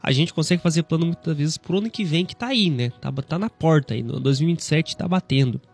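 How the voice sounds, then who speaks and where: With faint music behind him, a Christian radio presenter in his thirties hosts a conversational, gently preaching devotional talk, often closing lines with "né". He has a Brazilian Portuguese accent, and his somewhat high voice is gravelly and husky at a quick pace.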